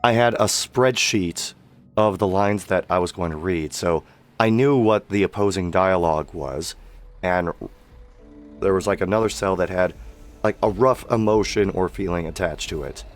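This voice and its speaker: A man's voice: sits low, moderate pace, faint music behind. A man giving casual live-stream game commentary, his voice worn from sickness and hours of streaming. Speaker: streamer, amateur voice actor.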